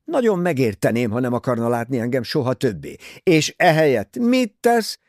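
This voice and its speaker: A man reading aloud, voicing a nervous, agitated young husband who pleads and protests in excited outbursts. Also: mid-range voice, no echo, studio quality.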